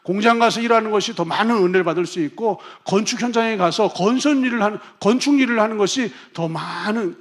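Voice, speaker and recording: Male pastor, middle-aged, high-pitched, emphatic sermon delivery shifting between quiet and forceful. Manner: emphatic preaching, swinging from soft to loud.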